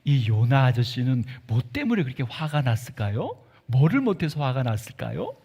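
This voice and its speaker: A man pastor giving a playful, animated children's sermon in a church. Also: mid-range voice, moderate pace, breathy edge.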